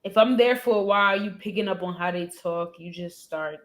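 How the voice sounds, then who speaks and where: Laughing woman co-host with quick comebacks. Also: medium pitch, a bit bright. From Caribbean. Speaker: podcast co-host. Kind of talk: casual group chat.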